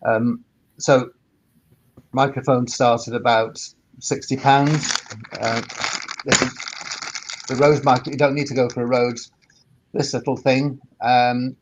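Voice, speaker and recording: A man giving informal technical advice on a webinar panel, halting and often repeating words mid-sentence. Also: medium pitch, poor audio. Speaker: sound engineer and workspace operator on a panel.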